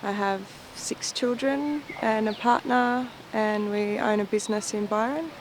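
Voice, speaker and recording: A woman in her late thirties, a roller derby player giving relaxed interview answers with trailing fillers. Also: on the high side, measured pace. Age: 30s. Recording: noisy background.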